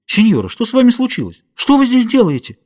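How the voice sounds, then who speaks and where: A man reading a novel aloud, voicing a kind, motherly woman who gently comforts a stranger. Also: a little high, huge pitch swings, quick pace, pitched above the performer's own voice. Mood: startled. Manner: gentle, soothing, compassionate.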